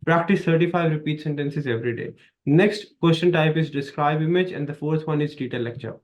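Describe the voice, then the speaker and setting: Indian guy tutoring, kinda high voice, bit muffled lo-fi sound, really emphatic. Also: brisk. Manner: emphatic, repetitive coaching with lively hand gestures. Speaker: exam prep tutor. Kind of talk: instructional video lesson. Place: small dark studio, indoors.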